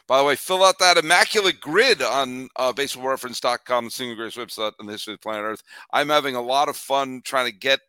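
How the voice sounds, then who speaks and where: A man hosting a baseball podcast in casual chat, animated and repeating himself as he thinks. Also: mid-range voice, quick pace, hardly any pauses, clear, resonant tone, no room sound, studio quality. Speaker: podcast host.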